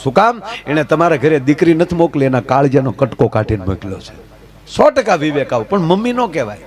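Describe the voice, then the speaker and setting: A man's voice: fairly high pitch, very animated, a little fast, darkish tone. A man with a Kathiawadi Gujarati accent telling comic stories on stage in a chatty way, talking straight to the crowd. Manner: chatty, addresses the crowd directly. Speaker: folk stage storyteller. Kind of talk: stage comedy storytelling.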